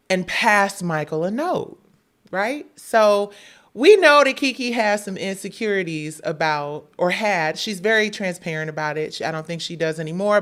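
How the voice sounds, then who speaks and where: Emphatic, candid woman livestreamer. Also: on the low side. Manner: candid, emphatic, profane storytelling. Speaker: livestream host. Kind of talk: live Q&A monologue to viewers.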